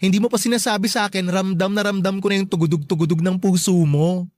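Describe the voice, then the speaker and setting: An actor playing a sassy, campy gay best friend in a Tagalog radio drama, teasing and bluntly caring, drawing out emphatic words. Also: male voice, high voice, fairly even intonation, quick pace, a little mellow, no room sound, lightly acted. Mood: blunt, encouraging.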